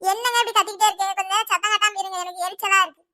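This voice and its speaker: A woman voicing an irritable, sick village wife in a cartoon, with a Tirunelveli Tamil accent and a complaining, sharp-tongued manner. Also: fairly even intonation, very fast, no echo, studio quality. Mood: irritated. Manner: scolding, complaining, shrill. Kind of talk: cartoon voice acting.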